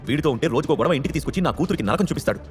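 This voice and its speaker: A man's voice: a little high, animated, very fast, big-room sound, faint music behind, close to an everyday voice. A man voicing a scornful rich mother. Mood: furious. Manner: scolding, scornful, loud. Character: haughty angry rich mother, middle-aged woman.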